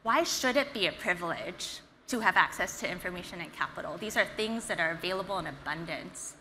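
A woman from Singapore, a founder giving an earnest, energetic conference talk. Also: fairly low pitch, brisk, slight background noise. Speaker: startup founder and CEO. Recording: reverberant hall, faint ambience.

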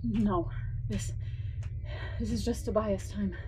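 A woman's voice: mid-range voice, fairly even intonation, takes it slowly, noisy background, lightly acted. A woman playing an earnest witch in a horror noir audio drama, pained and straining to hold her spell. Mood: strained, warning. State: in pain, strained.

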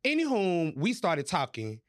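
Man, podcast host, casual chat, animated and profane, lively swooping pitch. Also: measured pace. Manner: animated, profane, laughs through the story.

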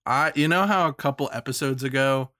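A man co-hosting a casual podcast, playful and self-mocking, his voice hoarse from a sore throat. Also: medium pitch, brisk, a bit bright, no echo, studio quality. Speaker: podcast co-host. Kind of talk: casual chat.

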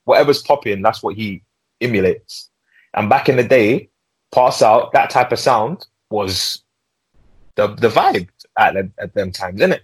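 A man's voice: on the low side, expressive, a little slow, slightly rough, no room sound, poor audio. A young man with a London roadman accent and slangy street delivery, chatting casually and repetitively as a music podcast host.

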